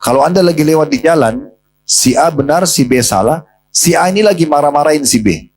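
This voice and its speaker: A man's voice: on the high side, expressive, fairly quick, a little hiss or hum, poor audio. A man preaching a sermon in a conversational way, speaking directly to his congregation and retelling a story with quoted dialogue, in a mosque.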